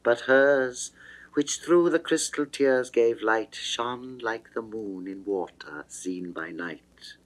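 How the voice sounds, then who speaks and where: A man's voice: mid-range voice, low-quality recording. A man giving a dramatic, declamatory reading of classical narrative poetry. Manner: theatrical, measured, declamatory. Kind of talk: dramatic reading of Elizabethan verse.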